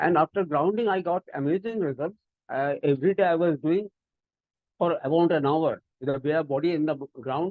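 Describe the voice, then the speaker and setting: This man has a high-pitched voice and speaks at a fairly quick pace. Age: 80s+. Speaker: webinar participant. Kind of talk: question in online Q&A. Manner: halting.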